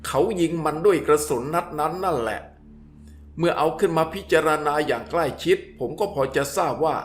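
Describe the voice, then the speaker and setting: A man reading a scripted story in a steady, descriptive way, as the storyteller. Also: on the high side, a little fast.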